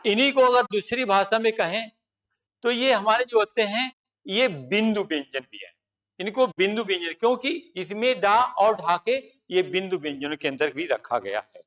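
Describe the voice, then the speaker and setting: A man's voice: sits high, expressive, moderate pace, fairly bright tone, distant mic, dull audio. A man teaching a grammar lesson for exam preparation, explaining at length and pointing out examples on the board.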